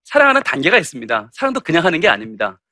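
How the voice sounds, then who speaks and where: A middle-aged male pastor giving a lively, humorous lecture to church teachers, acting out stories. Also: on the high side, rapid-fire, dry recording, clean studio sound. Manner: animated and humorous, acting out anecdotes.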